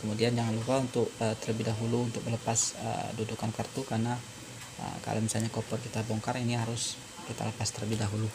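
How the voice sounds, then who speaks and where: A man with a slightly low, flat voice presents a hands-on tutorial. He explains step by step, haltingly, with frequent pauses. Clear background noise runs behind him in a homemade-sounding recording. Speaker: phone repair tutorial presenter. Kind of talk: informal hands-on tutorial narration.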